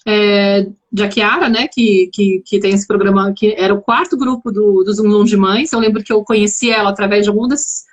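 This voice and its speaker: A woman's voice: mid-range voice, steady tone, moderate pace, hardly any pauses. A woman from Brazil with a São Paulo accent, chatting reflectively in a casual live-stream conversation. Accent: Brazilian Portuguese, São Paulo. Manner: reflective, chatty, many restarts. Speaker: guest.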